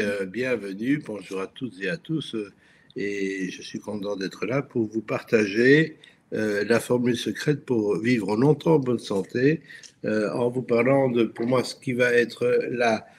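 A Belgian-born man giving a webinar presentation over a video call, speaking haltingly with many restarts and fillers. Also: medium pitch, a little hiss or hum. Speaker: guest speaker.

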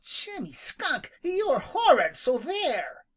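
A storybook narrator voicing a timid, indignant young male rabbit in a high, excited voice. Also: a little slow, slightly rough, heavily acted.

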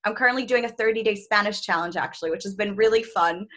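A woman's voice: mid-range voice, quick pace, fairly bright tone. A woman in her twenties, a native Czech speaker, chatting candidly and laughing often in a video-call interview from a small room at home. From Czech Republic. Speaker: travel content creator, guest. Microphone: video call, laptop mic.

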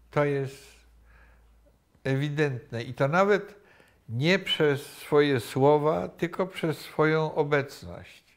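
An older man being interviewed, recalling the past slowly with many pauses and restarts, recorded on a lapel mic in a room. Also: mid-range voice. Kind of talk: reflective recollection. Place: indoor room with wooden cabinets.

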